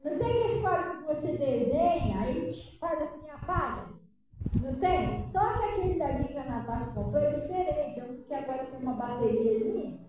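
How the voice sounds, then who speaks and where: A woman's voice: high voice, animated, brisk. An older woman pastor giving a conversational sermon, often asking the congregation questions. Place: church hall. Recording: echoey hall, distant mic, noisy.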